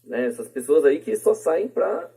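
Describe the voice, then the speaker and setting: A man with a Brazilian accent talks casually in a podcast discussion. His voice is soft-edged and dark, with some huskiness, and his phrasing is colloquial, often seeking agreement. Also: a little high, sing-song, normal speed, gravelly, breathy edge. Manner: colloquial, seeks agreement with tag questions. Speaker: podcast speaker.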